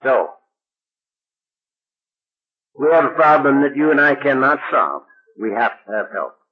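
An older man speaks to a recovery meeting in a folksy, plain-spoken way, dramatizing the people in his story. His voice is husky and sits at a middling pitch. The recording is dull and muffled, like an old tape. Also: big pitch swings, measured pace. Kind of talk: storytelling talk to an audience.

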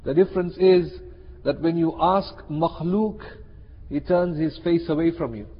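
A muffled recording in a long, echoing hall carries a man preaching. His voice is fairly high and husky, and he drives key phrases home by repeating them, slipping in Arabic and Urdu expressions. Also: unhurried. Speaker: Muslim preacher. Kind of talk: sermon. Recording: muffled, reverberant hall sound.

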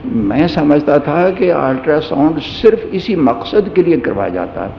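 A man's voice: on the high side, very animated, vocal fry. Man, sermon storytelling, humorous anecdote, dull lo-fi sound, faint hiss. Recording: echoey hall, dull lo-fi sound.

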